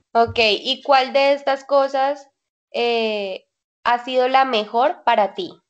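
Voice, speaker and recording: Against a quiet background, a woman talks at a very slow pace in a high pitch. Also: ordinary pitch variation. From Colombia, Ibagué (Tolima); Tolima, Colombia. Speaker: online Spanish tutor. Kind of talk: language lesson conversation. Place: home room. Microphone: earbuds.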